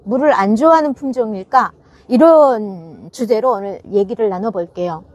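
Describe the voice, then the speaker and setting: A woman chatting casually to her viewers about gardening, laughing often and restarting her sentences as she talks. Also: fairly high pitch. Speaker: gardening channel host. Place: farm greenhouse.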